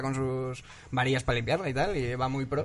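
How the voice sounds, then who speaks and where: At a fairly quick pace, a man speaks in an unremarkable speaking voice with fairly high pitch. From Asturias, Spain. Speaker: poet. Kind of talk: casual chat.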